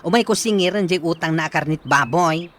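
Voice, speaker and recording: An actor playing a flamboyant gay man who loudly demands repayment of a debt, speaking in a radio drama. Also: medium pitch, a little fast, close to an everyday voice. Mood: insistent. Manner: loud, indignant, shouting threats.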